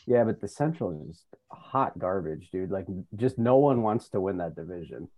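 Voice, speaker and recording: A man's voice: sits low, expressive, moderate pace, a little mellow. A man co-hosting a podcast, chatting casually in laid-back sports-fan banter. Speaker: podcast co-host. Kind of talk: casual chat.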